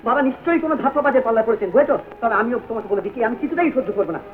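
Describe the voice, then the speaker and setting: A fussy excitable husband. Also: male voice, very high voice. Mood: excited. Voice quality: quick, fussy, exclamatory. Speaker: husband in a family film drama. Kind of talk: vintage film acting. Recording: tinny lo-fi old film sound.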